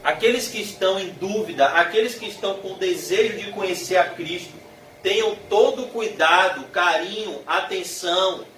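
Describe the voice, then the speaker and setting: A man with a Brazilian Portuguese accent preaching a sermon, emphatic, stretching his phrases slowly as his passion rises. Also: high-pitched, a bit bright, a little hiss or hum. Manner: emphatic, drawn-out slow phrases rising in passion. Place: church hall. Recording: echoey hall, mic from far off.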